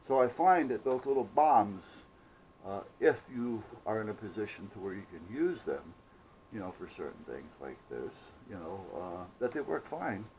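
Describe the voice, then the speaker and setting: Male DIY vlogger, low mellow voice, folksy off-the-cuff storytelling, light ambient noise behind. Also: very animated, moderate pace, poor audio. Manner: folksy, salty-tongued, conversational. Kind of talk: casual rambling storytelling.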